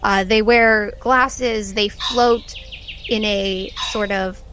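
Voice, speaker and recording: A woman hosting as game master of a tabletop audio drama, narrating to listeners over a soft background bed. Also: medium pitch, steady tone, very slow, slight background noise. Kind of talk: narrating an actual-play game, then scripted credits.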